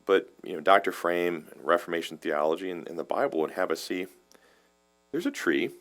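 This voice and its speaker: A man with a deep voice, a pastor talking through theology in a casual discussion, earnest and explanatory, often restarting and repeating words. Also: animated, fairly quick, a bit bright.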